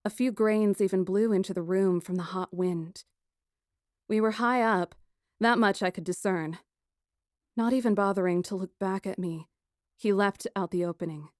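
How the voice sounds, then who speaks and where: A woman playing a plucky, sarcastic kidnapped young woman who narrates her ordeal in a first-person audiobook, wry and expressive. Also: medium pitch, moderate pace, no room sound, studio quality, close to an everyday voice. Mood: tense.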